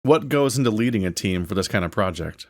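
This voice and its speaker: Guy narrating his own vlog from a script, lowish voice, guitar music behind him. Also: lively intonation, brisk. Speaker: video creator, narrator. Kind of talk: scripted first-person narration.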